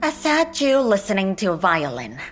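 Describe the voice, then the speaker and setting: A woman's voice: medium pitch, huge pitch swings, moderate pace, soft background music. An actress playing a wry, teasing young woman in dubbed film dialogue.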